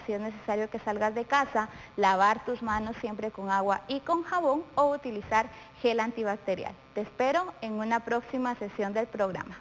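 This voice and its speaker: Patient woman teaching children. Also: a little high. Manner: patient and deliberate, drawing out words syllable by syllable. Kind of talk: televised primary-school lesson. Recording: faint reverb and light background noise.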